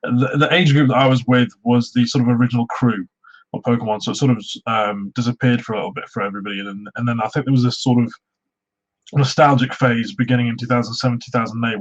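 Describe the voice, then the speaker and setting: Man in his thirties, raised in Wales, modest, hesitant, lots of ums, muffled lo-fi sound. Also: medium pitch. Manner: soft-spoken, modest, hesitant with many ums. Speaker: guest, Pokemon YouTuber. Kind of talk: casual interview chat. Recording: dull lo-fi sound.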